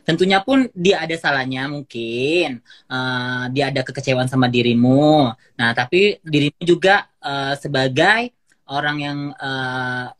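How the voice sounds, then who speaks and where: A livestream host speaking in a measured, conciliatory way, with frequent hesitations and fillers. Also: mid-range voice, a bit bright. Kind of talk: casual livestream chat.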